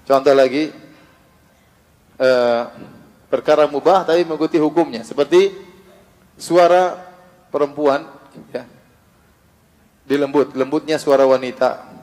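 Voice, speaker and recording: A man's voice: a little high, a little slow, pauses often, darkish tone. A man giving a religious study lecture, asking rhetorical questions and answering them himself, reciting Arabic verses between plain explanations. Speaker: Islamic teacher. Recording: long reverb of a hall.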